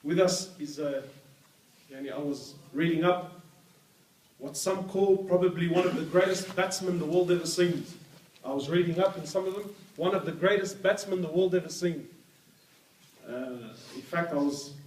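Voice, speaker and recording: A man's voice: on the high side, moderate pace, a little mellow, slight background noise. A man hosting a live event, talking to the crowd with energy and slang like "bro". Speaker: host. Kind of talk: live event introduction and interview. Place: hall with an audience. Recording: roomy hall, voice picked up from a distance.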